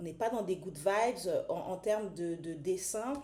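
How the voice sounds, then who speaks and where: Her pitch is medium for a woman, and this woman varies it in an ordinary way. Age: 30s. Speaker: tarot card reader. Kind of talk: oracle card reading. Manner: halting, many fillers and repetitions.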